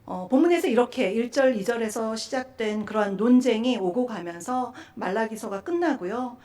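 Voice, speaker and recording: Middle-aged female pastor, fairly high pitch, earnest sermon delivery with fillers and acted quotes. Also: normal speed, a little mellow. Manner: earnest preaching with frequent fillers, acting out quoted voices. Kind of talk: sermon at a Friday prayer meeting.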